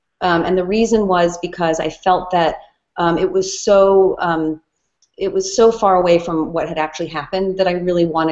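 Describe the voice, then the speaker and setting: A woman with a New York accent speaks at a medium pitch. Her tone is enthusiastic. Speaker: dog trainer. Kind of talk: interview. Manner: fast.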